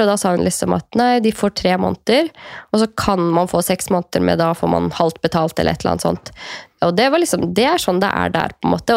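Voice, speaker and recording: A woman's voice: fairly low pitch, vocal fry, darkish tone, dry recording, clean studio sound. A woman in her thirties chatting as a guest, talking in a reflective way with many fillers and quoted thoughts. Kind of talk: casual conversation.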